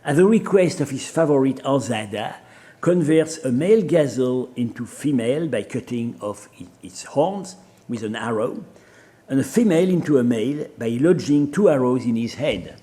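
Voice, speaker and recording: A man with a French accent giving an academic seminar lecture, reading quotations and pausing often with fillers and restarts. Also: mid-range voice, expressive, mellow. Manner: measured, hesitant with fillers and restarts.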